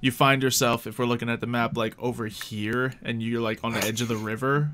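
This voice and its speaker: A man's voice: mid-range voice, steady tone, fairly quick, a bit bright. A man narrating a casual tabletop roleplay as game master, chuckling and joking with his players.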